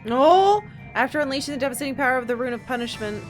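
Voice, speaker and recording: Excitable woman streaming a game. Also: high-pitched, racing, faint music behind. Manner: excitable, reacts aloud to the game. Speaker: streamer playing a video game. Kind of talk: casual live let's-play commentary.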